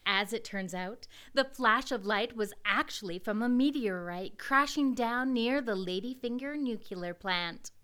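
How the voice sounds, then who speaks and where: A woman's voice: a little high, measured pace, hardly any pauses, a bit bright, a little hiss or hum. A woman voicing a dry, sardonic announcer who narrates in a mock-formal way. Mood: wry.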